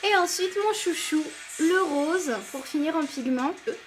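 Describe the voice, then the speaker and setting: A woman's voice: sits high, a little slow, faint music behind. A woman with a French accent reviewing make-up gifts in a casual, enthusiastic chat full of fillers. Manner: enthusiastic, chatty, many fillers. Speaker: beauty vlogger.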